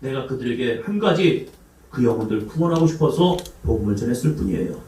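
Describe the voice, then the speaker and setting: A man's voice: mid-range voice, lively intonation, fairly quick, mellow, slight background noise. A male pastor preaching a sermon, who quizzes the congregation and acts out cries and sighs in the voices he quotes. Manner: asks the congregation questions. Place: church sanctuary. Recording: echoey church hall, mic some distance off.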